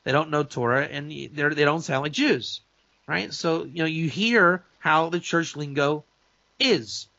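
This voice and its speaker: A man's voice: a little high, a little slow, pushed and bright, no room sound, highs cut off. A man, a rabbi, talking in a casual, opinionated talk-show chat, emphatic and full of restarts and asides. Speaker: rabbi and guest speaker.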